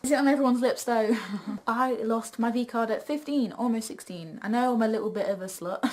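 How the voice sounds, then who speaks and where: High-voiced young woman, cheeky and frank. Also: moderate pace, a little mellow. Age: young adult. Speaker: host of a question-and-answer video series. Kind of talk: casual joking chat.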